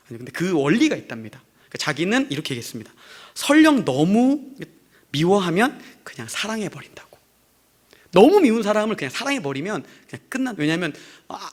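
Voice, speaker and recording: Korean pastor guy giving a sermon in church, kinda high voice that swings all over, chatty and asks the crowd stuff. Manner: lively, conversational preaching with acted quotes and rhetorical questions. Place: church sanctuary.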